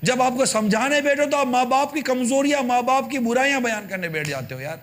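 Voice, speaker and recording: A male preacher gives a televised sermon with a high voice. He presses his points with rhetorical questions and repeated pleas. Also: animated, a bit bright. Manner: emphatic, rhetorical questions, repetition. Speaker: religious preacher on TV channel. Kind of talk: television sermon addressing parents.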